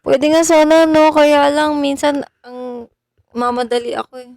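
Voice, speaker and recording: Young woman, from Bulacan, idol livestreamer, casual chat, unhurried, close dry phone sound. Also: sits high, level tone, vocal fry, a little mellow, no room sound. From Bulacan, Philippines. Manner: chatty, thanks viewers by name, code-switches in English.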